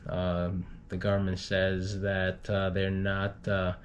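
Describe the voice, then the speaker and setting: A man with a fairly low voice reads news updates informally, adding his own comments. He reads haltingly and often repeats words. The recording is noisy, with some low rumble behind him. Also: monotone. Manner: halting, stumbles and repeats words while reading. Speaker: news reader for an expat community channel.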